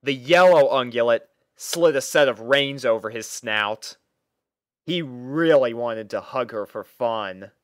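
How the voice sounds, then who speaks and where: A man narrating a scripted story in a measured, mock-serious storytelling manner. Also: medium pitch, no echo, studio quality. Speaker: fan fiction narrator.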